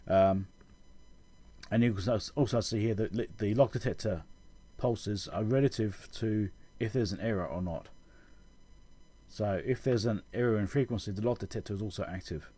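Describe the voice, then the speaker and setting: A man giving an informal technical explanation as a channel host, halting and correcting himself as he thinks aloud. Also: fairly low pitch, warm tone, breathy edge. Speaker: electronics repair channel host.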